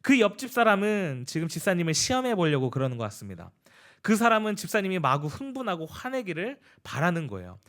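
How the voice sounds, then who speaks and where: A patient village pastor, voiced by a male preacher gives calm, reasoned counsel in a high voice. He speaks gently and steadily.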